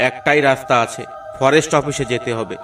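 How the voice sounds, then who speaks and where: A man's voice: medium pitch, fairly quick, recorded from a distance, over music, lightly acted. A man voicing an anxious village man in a cartoon, pleading and fearful.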